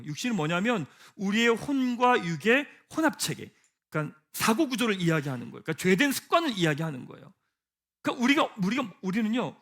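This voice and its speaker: A man preaching a sermon as pastor, asking the congregation rhetorical questions and leading them in reading scripture aloud. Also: high-pitched. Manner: rhetorical questions, swings from hushed to emphatic. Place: church sanctuary.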